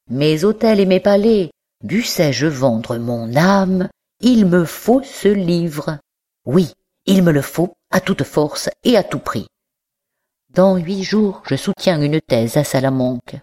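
An obsessive young gentleman scholar, voiced by an audiobook reader, courtly yet insistent, his voice lifting higher as he presses his demands. He speaks slowly and deliberately, as in a storybook reading. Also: close to an everyday voice. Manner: courtly, insistent, rising to fervor. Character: young nobleman student, affable and obsessive.

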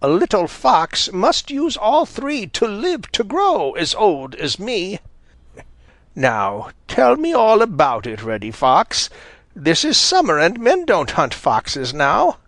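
A man voicing a sharp-tongued, cross old female fox in a storybook. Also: high voice, huge pitch swings, takes it slowly, dry recording, pitched above the performer's own voice, exaggerated voice. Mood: lecturing. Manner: scolding, snappish.

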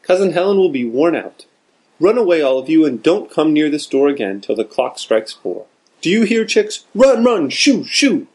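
A man's voice: medium pitch, expressive, moderate pace, warm tone, breathy edge. A man as a kindly storybook father and doctor. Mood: playful.

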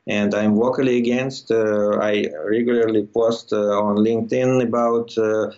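The recording is dull and lo-fi, carrying the low voice of a middle-aged man with a Russian accent. He is a guest in an interview, talking conversationally. His delivery is halting as he feels his way toward the right words. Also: flat delivery, darkish tone. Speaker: interview guest, immigrant to Quebec. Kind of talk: conversational personal account in an interview.

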